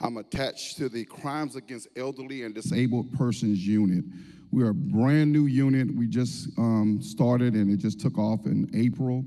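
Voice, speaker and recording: A man with an American accent speaks at medium pitch and a moderate pace, with ordinary pitch variation. His tone is dark and mellow, on a very clean recording with a silent background. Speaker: police investigator. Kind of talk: community presentation. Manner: loud.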